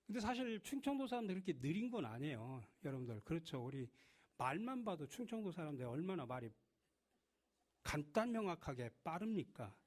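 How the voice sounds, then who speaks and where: A middle-aged man from Chungcheong, South Korea, preaching a sermon to his congregation with a lively, humorous, direct manner. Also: a little high, brisk. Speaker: pastor. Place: church.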